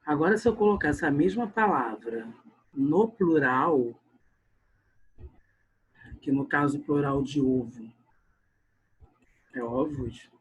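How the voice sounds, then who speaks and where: A man's voice: on the high side, animated, a little slow, long pauses, husky, muffled recording. A male grammar teacher, giving an online lesson and often calling out to his class while he stretches words for emphasis. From Brazil.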